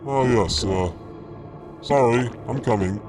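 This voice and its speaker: A man's voice: medium pitch, slow, close to an everyday voice. A man voicing a grumpy, defiant male creature who mutters petulantly. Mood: sheepish. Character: Steve, grumpy defiant male creature with sloshy head sack. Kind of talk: audio drama character voice. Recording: loud music under the voice. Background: music.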